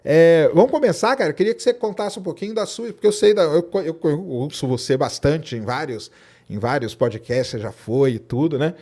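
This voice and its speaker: A man hosting a podcast interview, asking informal questions with frequent "né?" tags and quick reactions. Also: fairly high pitch, warm tone. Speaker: podcast host. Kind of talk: casual interview chat.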